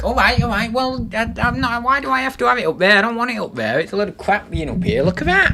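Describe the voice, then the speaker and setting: A man with an English accent at a very fast pace, hardly any pauses, over noticeable background noise. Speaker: eBay reselling youtuber. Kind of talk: live stream chat. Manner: loud; animated. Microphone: new dynamic mic, too quiet unless close.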